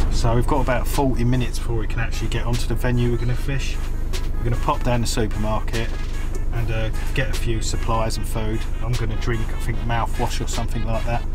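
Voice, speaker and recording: A man talks at a very fast pace with clear music playing behind him. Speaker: presenter. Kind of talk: casual vlog chat. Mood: light-hearted, joking. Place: car.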